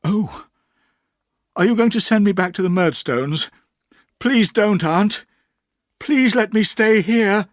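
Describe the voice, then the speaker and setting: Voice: mid-range voice, big pitch swings, slow, pauses often, slightly rough, no echo, clean studio sound, pitched above the performer's own voice, heavily acted. A narrator voicing a timid, anxious young boy who speaks in a hesitant, pleading way.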